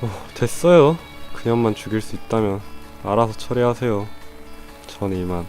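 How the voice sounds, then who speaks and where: A man's voice: fairly low pitch, lively intonation, normal speed, darkish tone, faint music behind, close to an everyday voice. A young man acting a callous, coolly polite and insolent plotter in an audio drama. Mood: smug, cool. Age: young adult.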